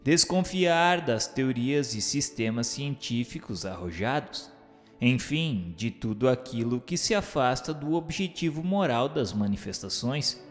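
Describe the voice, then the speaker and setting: Male narrator, Brazilian accent, mid-pitched, measured scripted reading, hall-like reverb on the voice. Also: expressive. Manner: formal, measured. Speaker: narrator and questioner. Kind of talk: scripted narration of a spiritist text. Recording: long hall-like reverb, music bed.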